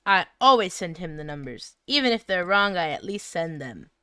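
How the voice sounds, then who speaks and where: Bright, clear-voiced woman streamer. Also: lowish voice, very animated, normal speed, no echo. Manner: playful, chatty. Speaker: livestream host. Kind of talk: casual livestream chat.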